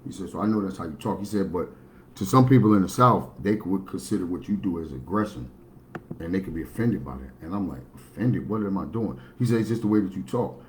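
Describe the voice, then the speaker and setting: A man's voice: expressive, a little fast, a little mellow, a little hiss or hum. A man, talking bluntly and matter-of-factly in a rambling livestream monologue. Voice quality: baritone. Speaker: livestream host.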